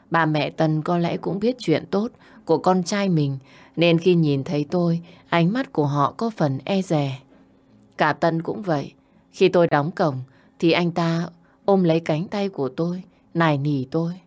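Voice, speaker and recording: A woman with a low voice reads a first-person dramatic story, carrying the narration and her own character's lines. In the dialogue she turns sharp and scornful. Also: moderate pace.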